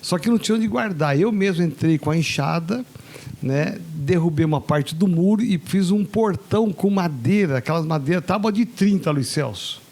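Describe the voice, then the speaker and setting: A man's voice: fairly high pitch, moderate pace, gravelly. An older man, a pastor from Brazil, telling a long story in casual chat and acting out the voices of the people in it. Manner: animated anecdote teller, acts out quoted voices.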